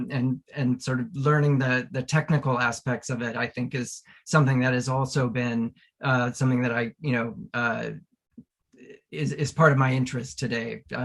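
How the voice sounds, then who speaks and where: Halting, thoughtful man on a panel. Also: mid-range voice. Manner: halting, tentative, repeats words. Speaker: panelist, academic. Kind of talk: informal panel discussion.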